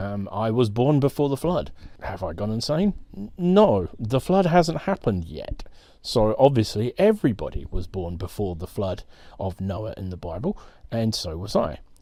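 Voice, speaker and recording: At a moderate pace, a man speaks in a medium pitch with very wide pitch swings. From northern England, Barnsley, South Yorkshire. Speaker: atheist video blogger. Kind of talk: casual vlog talk. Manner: hesitant, many fillers.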